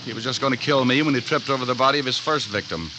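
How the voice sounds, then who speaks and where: An actor playing a dry, sardonic private detective who also narrates, in a 1940s radio drama. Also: male voice, mid-range voice, racing, noisy background, lightly acted. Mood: wry. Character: wisecracking tough male private eye. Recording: old radio broadcast with music underneath.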